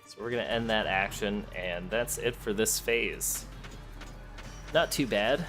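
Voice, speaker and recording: A man's voice: lowish voice, measured pace, fairly bright tone, soft background music. A man giving casual gameplay commentary, thinking aloud and talking to the characters as he plays. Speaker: let's play host. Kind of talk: casual gameplay commentary, sometimes reading game text aloud.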